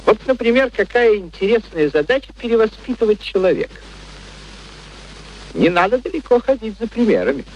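A genial gentleman storyteller, somewhat high in pitch, with sweeping, highly animated intonation. He narrates with amused, courteous curiosity and theatrical expression. It is an old radio play recording with faint noise. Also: brisk, dull audio. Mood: wry, storytelling.

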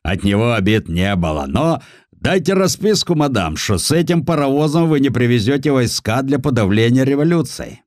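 A man's voice: medium pitch, lively intonation, moderate pace, darkish tone, no echo, studio quality, voice pushed up, natural voice. A man narrating a historical story and voicing a plain-spoken, wary railway depot worker bargaining in a folksy way. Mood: wary, firm.

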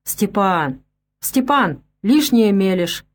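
Young man, serious, calm, measured, woman narrator doing him. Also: mid-range voice. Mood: earnest.

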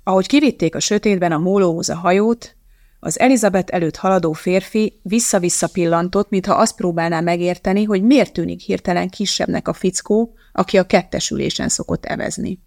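A woman narrating an audiobook in an even, measured storytelling manner. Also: fairly low pitch, vocal fry, no echo, studio quality. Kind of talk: scripted narration.

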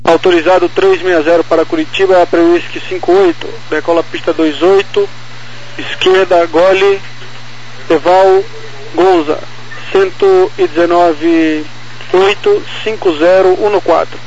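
Brazilian male ground controller, high even monotone, clipped radio callouts through a muffled channel. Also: a little slow. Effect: aviation radio. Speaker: air traffic ground controller. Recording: muffled, noisy air traffic radio.

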